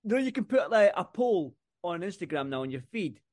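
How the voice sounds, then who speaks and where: A man's voice: high-pitched, sing-song, brisk, darkish tone. A man from the UK co-hosting a boxing podcast, talking in a rambling, repetitive, casual way. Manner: rambling and repetitive, stacking up lists and restarts. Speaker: podcast co-host.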